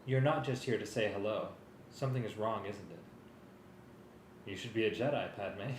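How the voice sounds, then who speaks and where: Low-voiced man in an echoey room. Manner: hesitant, halting, thinking aloud. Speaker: music arranger preparing a live table read. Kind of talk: casual working chat, reading script aloud. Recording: echoey room with faint noise.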